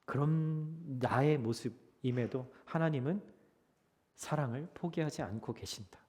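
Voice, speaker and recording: A male pastor giving a Sunday sermon in a church sanctuary, preaching emphatically and swinging between loud peaks and soft drops. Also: mid-range voice, a little slow. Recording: long church hall reverb.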